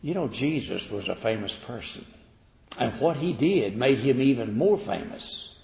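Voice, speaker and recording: A man's voice: medium pitch, expressive, unhurried, gravelly, darkish tone. A man preaching an evening sermon, reading scripture aloud and pressing his points earnestly, rising to emphatic peaks. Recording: echoey hall, dull lo-fi recording.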